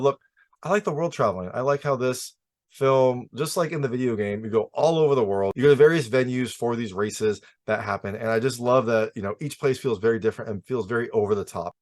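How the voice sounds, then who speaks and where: A man with a medium-pitched voice delivers a casual review as a film critic and host. He speaks in an opinionated, conversational style. His delivery is emphatic, marking each new point with a familiar set phrase. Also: a little mellow.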